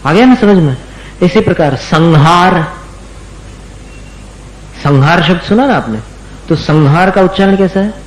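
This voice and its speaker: Slow, patient man in an echoey room. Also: high voice. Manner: patient, repeats words slowly for students to copy. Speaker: religious teacher. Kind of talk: slow recitation lesson.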